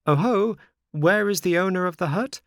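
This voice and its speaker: A man's voice: on the high side, lively intonation, a little slow, no echo, studio quality, voice pushed up. A man voicing an earnest little boy marionette in a storybook reading, with an emphatic, declamatory way of speaking. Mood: surprised. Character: earnest, grateful little boy marionette, scolding when wronged.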